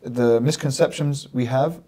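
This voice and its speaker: A London man who is a religious scholar guests on a podcast in a small studio set with plants, speaking into a desk mic on a stand. He explains earnestly and emphatically, repeating phrases in lists. His voice is mellow and medium-pitched with a breathy edge, and his pace is measured.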